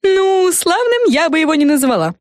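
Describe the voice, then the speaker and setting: A woman's voice: very high-pitched, sing-song, normal speed, no room sound, studio quality, pitched above the performer's own voice. A woman voicing a blunt, tactless fairy with a snippy, matter-of-fact manner.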